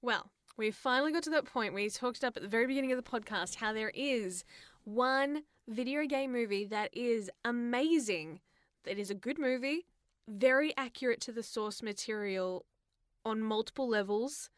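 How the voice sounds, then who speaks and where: Higher-pitched woman, casual podcast chat. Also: moderate pace, clean tone, dry recording, clean studio sound. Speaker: podcast co-host. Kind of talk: casual podcast chat about film and games.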